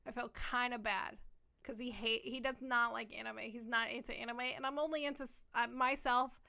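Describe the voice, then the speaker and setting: A woman co-hosting a gaming podcast in casual, profane, animated chat, a little hoarse from a sinus infection. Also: fairly high pitch, normal speed. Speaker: podcast co-host.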